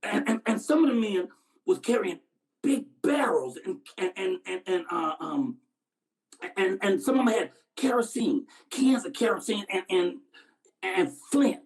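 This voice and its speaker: A man acts out a haunted Southern man in a dramatic stage monologue. He recalls a boyhood horror haltingly, stammering over words, and his pitch swings widely between low and high. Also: animated, creaky, heavily acted, low-quality recording. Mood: haunted, grave.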